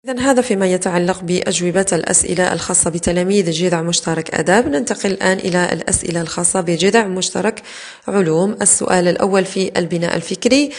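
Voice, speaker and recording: A woman teacher explaining exam answers in a recorded lesson, methodical and patient, slowing down to repeat key words. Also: fairly low pitch.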